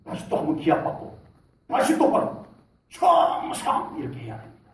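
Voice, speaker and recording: High-pitched, animated Korean pastor preaching. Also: male voice, quick pace, background noise. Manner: animated, shouts military salutes, acts out soldiers. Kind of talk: sermon. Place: church sanctuary. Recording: echoey hall, mic from a distance.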